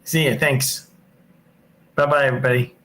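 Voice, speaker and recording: A man speaking casually as a guest on a livestream, with a creaky voice. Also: mid-range voice, steady tone, normal speed, fairly bright tone. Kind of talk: casual chat.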